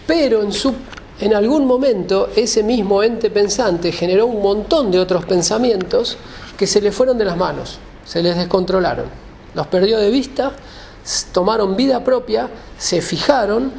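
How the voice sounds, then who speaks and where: A man's voice: high voice, vocal fry, a little mellow, slight background noise. A man giving an explanatory lecture, speaking didactically, often rephrasing and checking that listeners follow.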